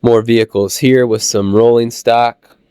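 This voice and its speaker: A man with a Midwestern American accent, casually narrating a walk through a model train show, halting with fillers while he gets over a cold. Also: mid-range voice, clear, resonant tone, no room sound. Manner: relaxed, halting with many "uh" fillers. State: recovering from a cold. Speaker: channel host touring a train show.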